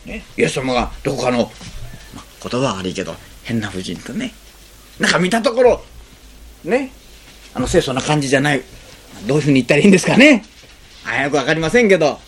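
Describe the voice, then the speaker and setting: A pastor preaching in an easy, conversational way, putting question after question to the listeners. The pitch rises and falls widely from phrase to phrase, and short quoted lines are acted out in changing tones. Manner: conversational, poses rhetorical questions to the congregation. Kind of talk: sermon.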